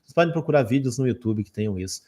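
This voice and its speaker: A man with a Brazilian Portuguese accent teaching English in a live online lesson, repeating phrases slowly and then explaining them. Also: medium pitch, expressive, darkish tone.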